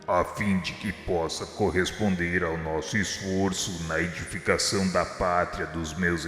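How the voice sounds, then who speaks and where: Man playing divine master, grave, reproving, forceful bright edge, cavernous reverb, radio play. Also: low-pitched. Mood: solemn counsel. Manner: solemn, slow, declamatory. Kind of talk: radio drama acting. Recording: reverberant hall effect with music underneath. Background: music.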